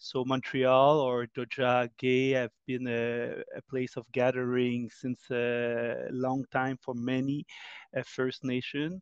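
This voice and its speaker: Over a quiet background, a man with a Quebec accent talks at a very slow pace in a medium pitch, his intonation flat and monotone, the sound dry and close with no echo. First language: French. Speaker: public health researcher. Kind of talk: webinar presentation. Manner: halting, many hesitations.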